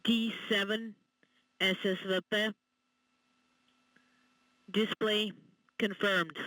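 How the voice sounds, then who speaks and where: A man calling out procedure steps over a radio communication loop, measured and clipped. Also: sits high, little pitch movement, sharp tone, a little hiss or hum, rough recording. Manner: measured, reads out times and checks step by step.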